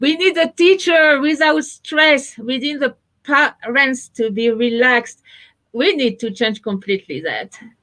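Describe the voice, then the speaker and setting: At a fairly slow pace, a woman with a French accent speaks high in pitch, using a bright, sharp tone and lively intonation. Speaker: education organization founder. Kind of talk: online class introduction. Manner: animated.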